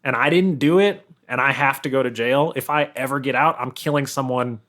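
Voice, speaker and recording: Man, medium-pitched voice, casual podcast guest, opinionated, joking. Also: brisk, fairly bright tone. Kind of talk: casual chat, discussing song lyrics.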